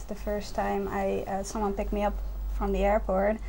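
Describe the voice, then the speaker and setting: A woman's dark, mellow voice with fairly even intonation, in audible room echo. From Netherlands. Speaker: tourist. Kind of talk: street interview. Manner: hesitant, many fillers.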